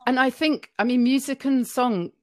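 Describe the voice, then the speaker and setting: A woman's voice: sits high, normal speed, darkish tone. A woman hosting a podcast interview, encouraging and affirming her guest with frequent yeahs. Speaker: podcast host. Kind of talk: casual interview chat.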